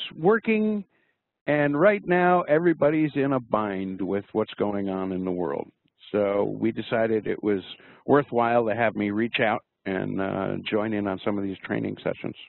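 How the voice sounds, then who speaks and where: In a dry sound with no echo and a quiet background, a man talks at a fairly slow pace. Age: 60s. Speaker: live sound engineer and cable repair technician. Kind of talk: webinar tutorial. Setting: video call webinar. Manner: frequent fillers (uh, um). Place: studio.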